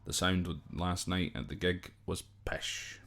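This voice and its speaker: A man's voice: low-pitched, steady tone, a little slow, gravelly, a bit bright. A man with a Scottish accent casually explaining slang as a podcast host, informal and hesitant, often spelling words out. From Scotland.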